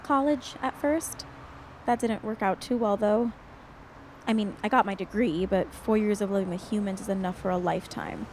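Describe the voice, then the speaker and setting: A woman's voice: mid-range voice, normal speed, darkish tone, a little hiss or hum, close to an everyday voice. An actress playing an anxious, homesick young woman with a wry streak in an audio drama, speaking casually. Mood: wistful. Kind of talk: acted dialogue in an audio drama podcast.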